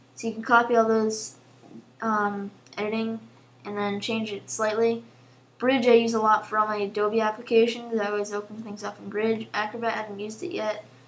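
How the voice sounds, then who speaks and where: A woman's fairly high voice, fairly quick in pace, monotone and flat, with big swings in loudness. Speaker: tech vlogger, web designer. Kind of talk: screen-recorded software tour. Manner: fast; casual, hesitant with fillers.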